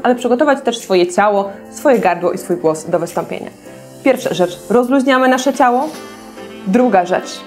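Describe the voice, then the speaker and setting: A woman coaches public speaking in a friendly, direct lesson. She shapes each word clearly and carefully at a middle pitch. Soft music plays faintly beneath her voice. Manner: clear, deliberate articulation while demonstrating diction drills; encouraging, addresses the listener directly. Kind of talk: instructional video lesson.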